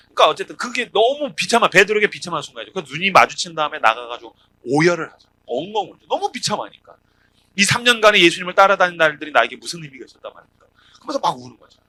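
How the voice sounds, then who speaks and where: A man in his thirties preaching a lively sermon at a youth retreat, acting out the voices of people in the stories and joking with the young crowd. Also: sits high. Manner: animated, acts out quoted voices, jokes with the crowd. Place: retreat prayer hall.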